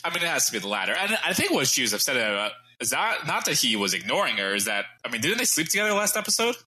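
A man co-hosting a casual podcast with a wry, joking manner, often backing up and restarting his thoughts. His voice is very bright and pointed, and his pitch swings widely. He sounds like an ordinary chatty co-host. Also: sing-song, very fast, breathy edge, poor audio. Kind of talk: casual recap chat.

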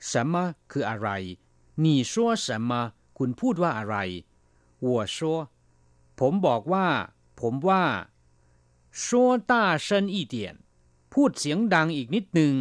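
ครูชายสอนภาษาจีนทางวิทยุ น้ำเสียงขึ้นลงมาก. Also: male voice, on the high side, no echo, clean studio sound. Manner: explains slowly and repeats each word. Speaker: Chinese language teacher. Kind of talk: radio language lesson.

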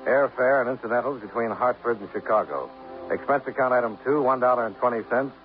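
An actor playing a wry insurance investigator who narrates and questions others in a dry, laconic manner, in a 1950s radio drama. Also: male voice, mid-range voice, expressive, fast, soft background music, close to an everyday voice. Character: wry insurance investigator, grown man, cool. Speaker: narrator and lead. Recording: dull old radio broadcast with faint hiss.

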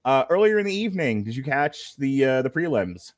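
A man's voice: mid-range voice, very animated, a little fast, dry recording. Chatty male host for a live fight-night stream, jokey asides, dry close sound. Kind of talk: casual live commentary chat.

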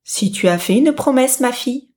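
A stern but fair fairy-tale king who lectures his daughter in a firm, admonishing voice, as a woman storyteller reads him. He sounds fatherly and steady, and keeps his scolding calm. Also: sits high, normal speed, voice pushed up.

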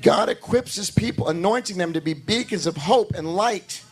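A man preaching a sermon to his congregation with a hoarse voice, building emphasis through repetition and calling for amens. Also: high-pitched, moderate pace. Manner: talks to the congregation directly, asking for amens. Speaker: pastor.

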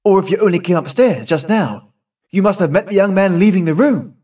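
A male narrator voicing an excited young man recounting a murder he saw. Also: on the high side, normal speed, distant mic, close to an everyday voice. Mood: agitated. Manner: excited, urgent storytelling. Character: agitated young husband, shaken witness.

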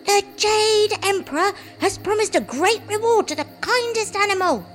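An eager male monkey from a storybook, as a woman narrator puts him on, chattering in a very high, squeaky voice. His excited manner makes every line sound urgent. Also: normal speed, faint music behind.

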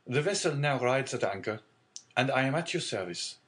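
A man's voice: medium pitch, animated, moderate pace, a bit bright, close to an everyday voice. A man doing an earnest young sailor. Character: earnest young male ship's mate.

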